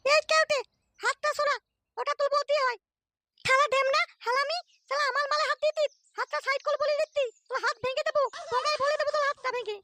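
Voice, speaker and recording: A cheeky, boastful little boy for a comedy cartoon. The voice is extremely high and piercingly bright, with a childish lisp and a foul mouth. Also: steady tone, quick pace, no echo, full character voice. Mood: indignant, threatening. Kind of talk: comic cartoon dialogue.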